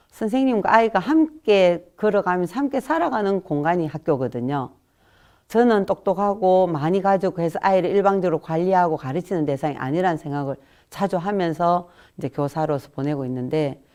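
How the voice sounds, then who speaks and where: Low-voiced woman teacher. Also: animated, brisk, mellow. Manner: conversational, asks the listeners rhetorical questions. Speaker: elementary school first-grade teacher. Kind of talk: online lecture for parents.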